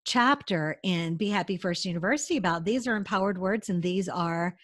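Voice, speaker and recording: This host, a middle-aged woman from the southern United States, runs a video-call interview via webcam from a room in her home, talking eagerly and at length with fillers like "you know." She speaks on the low side and fairly quickly, and the recording is dry with clean studio sound.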